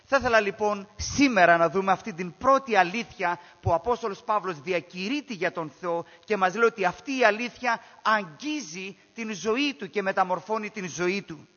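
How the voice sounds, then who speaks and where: Man, preacher, high voice, emphatic sermon, repeats key phrases, rhetorical questions, dull lo-fi recording. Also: animated, sharp tone, in a large hall.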